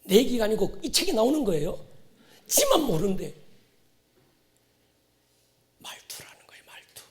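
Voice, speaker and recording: A man in his fifties preaching to a congregation as a pastor, exhorting them with swings between hushed asides and forceful declarations. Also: high voice, big pitch swings, moderate pace. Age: 50s. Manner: prompts listeners to respond and repeat. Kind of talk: fervent sermon to a congregation.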